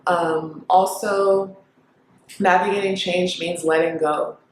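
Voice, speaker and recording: Young woman vlogger, reflective, pausing often, recorded in a roomy space. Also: on the low side, fairly even intonation, a little hiss or hum. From Kenya. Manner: reflective, thinking aloud with many pauses and fillers. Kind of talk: casual talk to camera.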